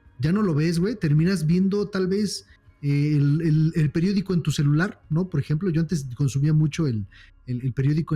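Somewhat breathy with a dark, mellow tone, a man speaks at fairly high pitch with ordinary variation. His pace is moderate and his loudness very even. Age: 20s. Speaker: streamer. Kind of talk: casual chat.

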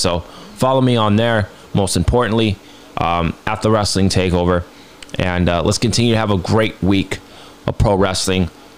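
Very deep and low, a man's voice moves at a moderate pace with ordinary pitch variation. Noticeable background noise sits behind it. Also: very even loudness. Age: 20s. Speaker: wrestling podcast host. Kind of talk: solo podcast commentary. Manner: casual, filler-heavy.

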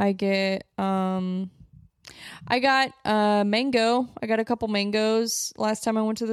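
A plain, everyday voice from a woman with an American accent, fairly high in pitch, with fairly even intonation. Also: very clean recording, silent background. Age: 20s. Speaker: fitness podcaster. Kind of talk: casual solo chat. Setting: home recording with microphone. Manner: casual, filler-heavy.

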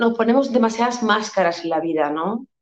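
A woman's voice at a medium pitch. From Andalusia, Motril. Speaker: comic actress. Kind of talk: interview.

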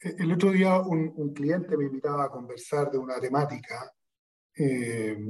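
Fairly high male pitch with ordinary variation, at a moderate pace. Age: 50s. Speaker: business consultant. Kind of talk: interview. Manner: halting, with frequent repetitions.

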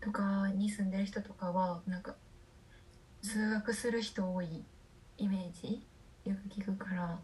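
A woman speaks at medium pitch in a somewhat breathy, monotone, flat way. Her pace is fairly slow, with long, frequent pauses. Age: 20s. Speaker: occasional co-host, university student. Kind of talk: casual chat. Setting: video call.

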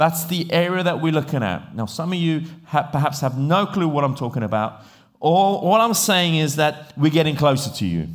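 A man speaks with an English accent. His pitch is fairly high, with ordinary pitch variation. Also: moderate pace. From England. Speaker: pastor. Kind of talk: sermon. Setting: church.

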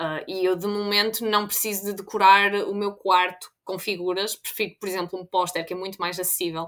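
A woman speaks with a medium pitch and a bright, sharp tone. Her intonation is fairly even. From northern Portugal. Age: 20s. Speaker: PhD student and Instagram creator. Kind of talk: casual interview chat.

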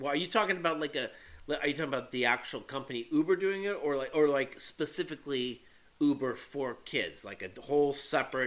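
Here is an ordinary speaking voice, a man's, with a fairly high pitch. He talks at a fairly quick pace with ordinary pitch variation. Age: 40s. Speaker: podcast co-host. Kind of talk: casual chat. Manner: laughs often.

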